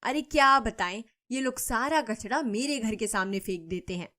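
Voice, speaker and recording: A woman voicing a quarrelsome, scheming middle-aged female neighbor who talks loudly and accusingly in a cartoon story. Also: normal speed. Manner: loud, accusing and shrill.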